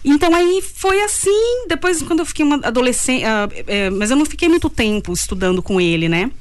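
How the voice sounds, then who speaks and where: A Brazilian woman, a singer-songwriter, chatting casually as an interview guest and telling stories with quick laughs between phrases. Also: sits high, lively intonation.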